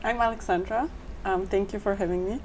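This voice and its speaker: A woman's voice: mid-range voice, steady tone, a little fast, a little mellow, slight background noise, rough recording. A young woman in her twenties from Poland, a medical student on a panel, talking casually with many ums. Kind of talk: panel discussion.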